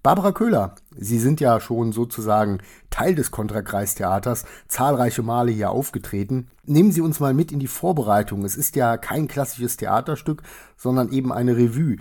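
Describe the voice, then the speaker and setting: A man with a husky, slightly breathy voice interviews performers as they sit together on a theater stage. His questions come in a measured, formal way. His pitch sits in an ordinary middle range. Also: lively intonation, darkish tone.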